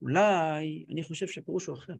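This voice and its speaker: A man's voice: on the high side, vocal fry, husky, no room sound, pitched below the performer's own voice. A man voicing a simple, pious Hasidic man who cries out in fervent ecstasy. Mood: musing.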